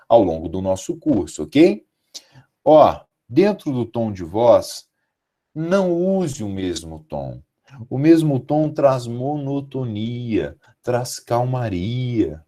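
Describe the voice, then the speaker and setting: A man's voice: medium pitch, mellow. A Brazilian man, a law professor, giving a live online lecture to his students, emphatic and full of rhetorical questions. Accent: Brazilian Portuguese.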